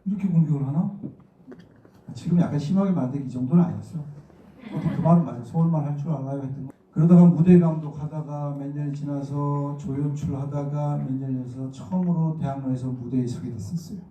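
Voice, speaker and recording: A man's voice: on the high side, fast talker, distant mic, slight background noise. A middle-aged man with a Daegu accent giving a lecture to students, telling stories and acting out what people said. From rural area near Daegu, South Korea. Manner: animated storytelling, acting out quotes. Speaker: guest speaker, actor. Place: lecture hall. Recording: echoey hall recorded from afar, muffled.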